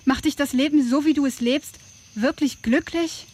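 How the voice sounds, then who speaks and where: A woman's voice: high-pitched, moderate pace, darkish tone, lightly acted. A woman playing a bold, caring and defiant tribal woman in an audio drama, speaking directly. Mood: impassioned, reproachful. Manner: direct, teasing, impassioned.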